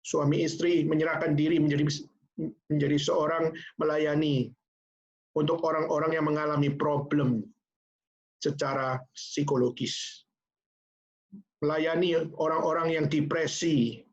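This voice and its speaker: A male pastor tells a sermon story with animated energy and speaks directly to the congregation. His voice sits a bit high. The recording sounds slightly dull and muffled. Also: unhurried.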